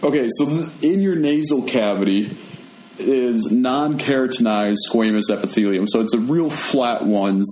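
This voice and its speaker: A man's voice: mid-range voice, moderate pace. Young male co-host, laid-back, walks through ideas step by step; roomy sound. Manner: relaxed, explains step by step with many fillers. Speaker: podcast host. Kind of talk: casual chat and explaining. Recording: echoey room with faint music.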